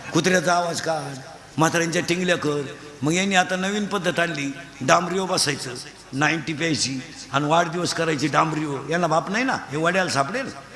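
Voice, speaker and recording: A high, bright male voice delivers a comic devotional sermon. He tells stories and slips into acted voices to mock his characters. The sound rings with the long echo of a large hall. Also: a little hiss or hum. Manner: storytelling with acted voices, mocking humor. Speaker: kirtan preacher.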